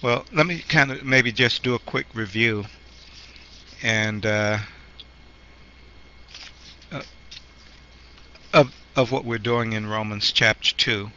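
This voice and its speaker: A man who is a pastor, coming down with a cold, teaching a Bible study in a slow, halting way, clearing his throat often. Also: medium pitch, sharp tone. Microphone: handheld microphone. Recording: muffled lo-fi recording with faint noise.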